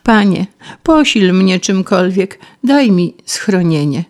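A woman's voice: mid-range voice, lively intonation, slow pace, darkish tone. A woman voicing a weak, starving male grasshopper who begs for help in a plaintive way. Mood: pleading.

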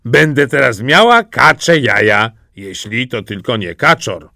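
A man's voice: mid-range voice, lively intonation, measured pace, gravelly, bright, forceful tone, no echo, studio quality, heavily acted. A man voicing a half-blind, greedy old peasant woman in a storybook, speaking in an eager, exclaiming way.

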